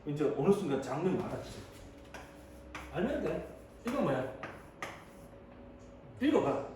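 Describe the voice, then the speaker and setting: A man in his thirties teaching high school English, chatting and joking with his students as he calls on them to read. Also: sing-song, unhurried, recorded from a distance. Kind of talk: classroom lecture. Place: classroom. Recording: echoey room, voice off-mic, faint hiss.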